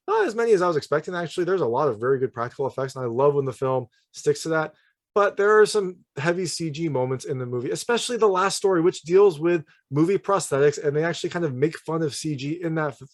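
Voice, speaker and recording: A man hosting a casual video movie review, talking in a chatty, informal and emphatic way. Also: mid-range voice. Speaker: film reviewer and channel host.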